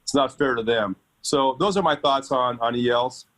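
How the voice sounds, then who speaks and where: Brief: male education panelist, mid-pitched, earnest, stumbling a little. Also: fairly bright tone. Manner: earnest, halting with repeats. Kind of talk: webinar panel discussion.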